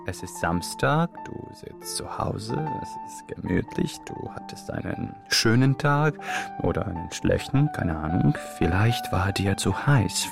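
An actor playing an excitable, euphoric Yugoslav male radio host with a theatrical, rambling way of moderating a live show. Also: low-pitched, gravelly, exaggerated voice. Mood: intimate. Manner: theatrical, rambling, exuberant, switching from hushed to shouting. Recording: music behind the voice. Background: music.

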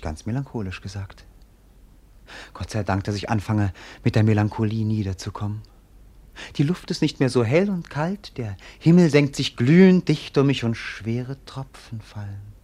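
An actor playing a bored, melancholy young prince in a radio play, declaiming lyrically. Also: male voice, mid-range voice, mellow. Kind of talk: theatrical German radio play acting.

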